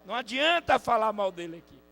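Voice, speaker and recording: A man preaching to a congregation, swinging between soft asides and shouted, drawn-out climaxes and asking the people to repeat after him. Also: sits high, big pitch swings, vocal fry, soft background music, poor audio. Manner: drawn-out emphatic phrasing. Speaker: pastor. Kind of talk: Pentecostal-style preaching to a congregation. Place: church hall with congregation.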